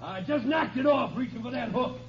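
An actor playing a shifty oil-field roughneck in a 1950s radio western. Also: male voice, very high voice, a little fast. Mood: sheepish. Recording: muffled old radio recording, faint noise.

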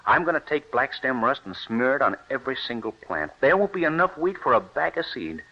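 Heard on a muffled old radio recording, this 1940s radio play actor portrays a young man who leaves his university post to farm, earnest and stubborn. His mid-range voice is very animated and fairly quick, his manner intense and earnest.

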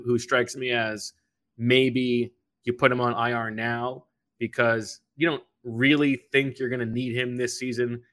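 A man's voice: mid-range voice, fairly bright tone. Man hosting a sports talk show. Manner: runs through injury news, explains roster rules. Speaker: sports podcast host.

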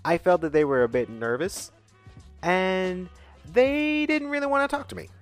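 A man's voice: high-pitched, lively intonation, moderate pace, soft background music. A man in his twenties co-hosting a podcast, rambling casually, bluntly and with profanity, often asking "right?". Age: 20s. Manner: chatty, keeps asking "right?". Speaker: podcast co-host.

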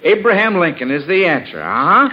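A man hosting a 1940s radio quiz in a folksy, avuncular, halting way. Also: fairly high pitch, very animated. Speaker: radio quiz show host. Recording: muffled 1940s radio broadcast.

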